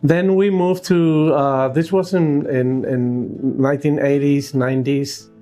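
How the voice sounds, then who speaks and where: A man in his sixties from Cuba with a Cuban accent and Spanish as his first language, answering interview questions casually and haltingly as a food truck owner. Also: on the high side, steady tone, dark tone, faint music behind. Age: 60s. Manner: halting, searching for words.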